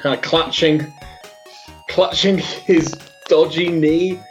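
A man's voice: fairly high pitch, fairly even intonation, slow pace, dull audio, soft background music. A man narrating a tabletop game as game master, in loose, chatty talk full of fillers and laughs.

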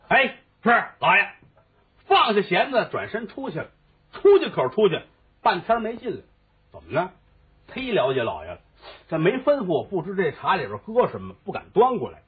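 A crosstalk storyteller with a high, husky voice performs a comic story with great animation, voicing every character himself. He shifts voices between roles and breaks into snatches of opera. The recording is lo-fi and phone-like, with faint music underneath.

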